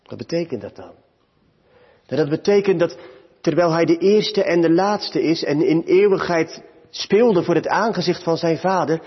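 A man's voice: high voice, slightly rough. A male pastor preaching a sermon to his congregation in short, emphatic phrases. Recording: long reverb, dull lo-fi sound.

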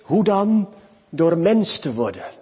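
A man preaching a sermon in a church hall, speaking slowly in short, emphatic phrases. His voice sits fairly high and sounds husky. The recording is dull and lo-fi, with a long reverb trailing every phrase. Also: sing-song. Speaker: pastor.

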